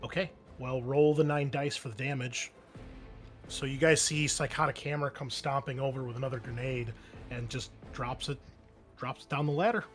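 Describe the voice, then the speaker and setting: A man's voice: mid-range voice, fairly even intonation, normal speed, a bit bright, faint music behind. A man running a tabletop game as game master, improvising narration in a conversational, explanatory way.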